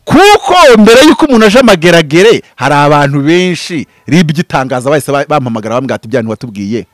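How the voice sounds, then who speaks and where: A man in his thirties from Rwanda, a pastor speaking in an impassioned, preaching style, swinging from loud bursts to low murmurs. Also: very animated, fast, no room sound. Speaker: pastor and prophet. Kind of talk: animated preaching-style interview talk. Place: outdoors before green foliage. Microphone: handheld mic held close.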